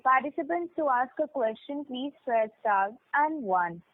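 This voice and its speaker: A woman's voice: sits high, expressive, unhurried. A woman working as conference call operator, moderating in formal, scripted phrases. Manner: formal, procedural. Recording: dry, narrow phone line.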